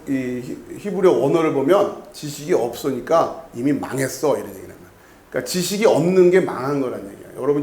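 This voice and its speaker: A male pastor with a medium-pitched, slightly mellow voice preaches an expository sermon in a church sanctuary, and the sound is reverberant. He takes a conversational approach, often asking the congregation questions and repeating key words.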